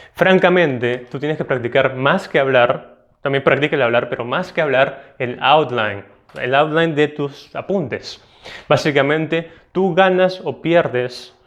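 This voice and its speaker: Latin american spanish guy teaching test prep, emphatic, keeps saying ok? to check in. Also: mid-range voice. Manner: clear, emphatic explanations with frequent "entonces" and "ok?". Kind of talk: video lesson.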